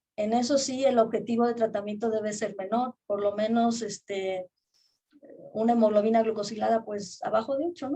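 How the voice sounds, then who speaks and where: A woman with a fairly high pitch and a dark, mellow, somewhat breathy tone talks at a moderate pace with fairly even intonation and big swings in loudness. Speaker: geriatrician. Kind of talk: lecture. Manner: frequent fillers and hesitations.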